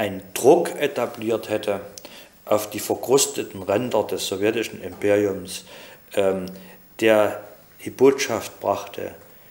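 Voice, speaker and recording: There are long, frequent pauses as a man talks in a fairly low pitch with ordinary pitch variation. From Germany, Dresden, Saxony. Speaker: former East German civil rights activist, interviewee. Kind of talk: recorded oral-history interview answer.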